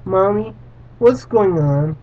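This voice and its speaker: A man's voice: high voice, animated, slow, dark tone. A man reading the lines of a frightened little boy who calls for his parents, raising his voice a little. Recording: dull lo-fi recording.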